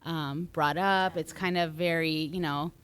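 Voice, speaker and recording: A woman from the US, a therapist, speaking in a smooth, slightly low voice. She talks thoughtfully on a casual podcast panel, often pausing with fillers as she gathers her words. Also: fairly even intonation, a bit bright. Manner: thoughtful, hesitant with many fillers. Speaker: marriage and family therapist.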